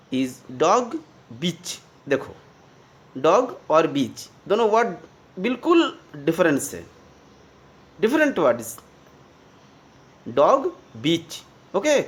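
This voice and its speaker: Grammar teacher, very slow and animated, spells words out letter by letter. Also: medium pitch. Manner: spells words out letter by letter, checks understanding often. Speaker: English teacher. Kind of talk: bilingual grammar lesson.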